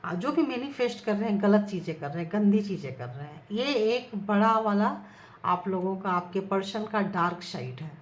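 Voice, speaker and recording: A woman giving a casual tarot reading to her viewers, earnest and repetitive, softly chanting her requests to the cards. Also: medium pitch, expressive, normal speed. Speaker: tarot reader. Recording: echoey room with faint ambient noise.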